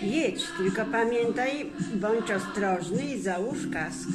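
A woman's voice: medium pitch, slow pace. An older woman acting a wife in a home radio play, caring and mildly scolding. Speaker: wife on holiday. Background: loud music.

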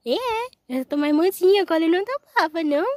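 A woman voicing a tame young female sheep in a high, cutesy baby voice. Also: animated, quick pace, a little mellow, dry recording, studio quality. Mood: sweet, cutesy.

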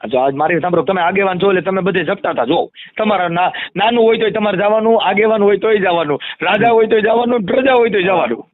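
High-pitched, fast Kathiawadi Gujarati man on phone. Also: no echo. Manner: insistent, explanatory, repeats phrases for emphasis. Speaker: community activist. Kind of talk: animated phone discussion. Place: phone call. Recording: muffled lo-fi phone call recording.

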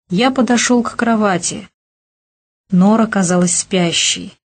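A woman reading a novel aloud as an audiobook narrator, steady and measured. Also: mid-range voice, slightly rough. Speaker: audiobook reader. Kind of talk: scripted narration.

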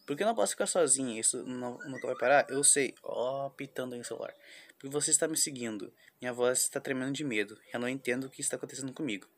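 A man's voice: mid-range voice, natural voice. A man doing Sayori, a despairing schoolgirl. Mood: frightened. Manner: halting, restarts words while reading. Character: despairing young schoolgirl, anxious and self-blaming. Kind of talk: reading a visual novel aloud.

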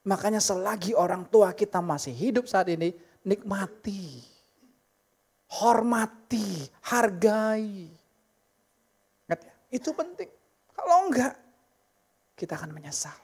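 A woman preacher, giving a sermon at a church service in an animated, joking way and speaking straight to the congregation. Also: mid-range voice, normal speed, slightly rough.

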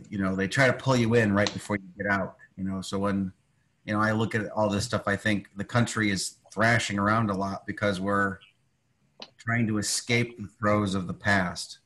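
A man's voice: fairly low pitch, a bit bright. A man sharing his opinion reflectively and conversationally in a group call, often adding filler phrases. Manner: conversational, punctuated with "you know".

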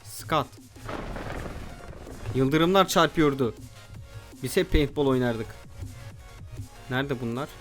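A young man hosting his gaming channel, giving excitable let's play commentary and shouting at opponents. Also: medium pitch, takes it slowly, pauses often, soft background music.

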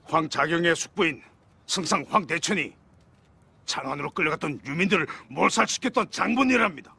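An aggrieved follower in a historical war drama. His voice is fairly high, gravelly and husky, delivered with pleading urgency. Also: expressive, brisk, sharp tone, full character voice. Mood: alarmed.

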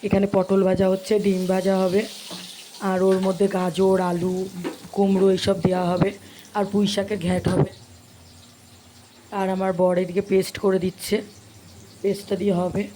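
A woman vlogger with a hoarse voice from a cold, chatting casually to her viewers and repeating herself. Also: medium pitch, completely flat delivery, normal speed, pauses often, warm tone, slight background noise. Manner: chatty, repetitive, addresses viewers directly. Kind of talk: casual vlog narration to viewers.

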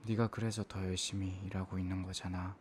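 Low, hushed man in ASMR role-play. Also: little pitch movement, fairly quick, a little hiss or hum. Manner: soft, hushed, intimate, hesitant murmur. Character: apologetic, self-blaming young boyfriend murmuring to sleeping girlfriend.

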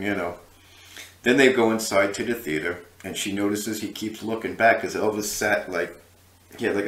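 Low-voiced man rambling through a story. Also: a bit bright. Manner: rambling, many fillers and asides, laughs at his own story. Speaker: video host. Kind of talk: casual storytelling. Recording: echoey room.

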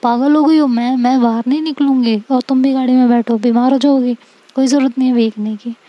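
A woman's voice: a little high, fairly even intonation, moderate pace, muffled recording, natural voice. Seerat: woman telling a sulky, stubborn young woman. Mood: refusing. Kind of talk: storytelling with voiced quotes.

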